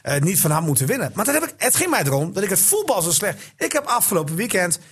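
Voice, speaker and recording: Man, husky voice, lively pitch, insistent, heated football chat. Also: fast talker. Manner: animated, insistent, argumentative. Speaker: football pundit.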